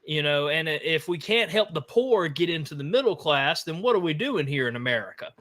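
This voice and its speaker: A man's voice: on the high side, animated, brisk, fairly bright tone. A man from Mississippi with a Southern accent, co-hosting a casual political podcast. He talks in a fiery, rambling way and often repeats words as he starts a sentence. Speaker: podcast co-host.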